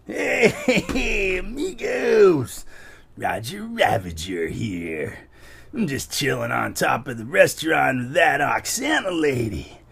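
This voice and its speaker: Slow, gravelly, cocky gang guy. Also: on the high side, huge pitch swings, a bit bright, heavily acted. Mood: cocky, chilled. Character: cocky, laid-back male wasteland gang member. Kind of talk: comedic audio drama acting.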